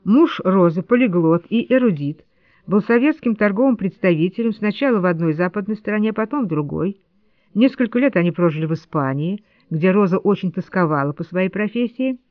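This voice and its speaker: A woman's voice: lowish voice, no echo. A woman narrating a first-person memoir as an audiobook, in a wry, lightly ironic storytelling manner. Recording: dull lo-fi dry studio read.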